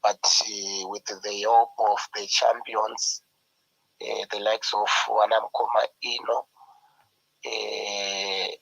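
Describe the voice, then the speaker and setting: A man from Zimbabwe, hoarse with a flu, speaking as a journalist on a video call panel. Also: on the low side, little pitch movement, slow pace, a bit bright, poor audio. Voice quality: husky, gravelly. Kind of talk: online panel discussion.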